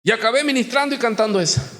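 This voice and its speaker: A man with a Mexican Spanish accent, a pastor preaching an impassioned sermon, moving between quiet talk and shouting as he speaks to the congregation. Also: extremely high pitch, fast. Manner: addresses the congregation as hermano. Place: church sanctuary. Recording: reverberant church hall.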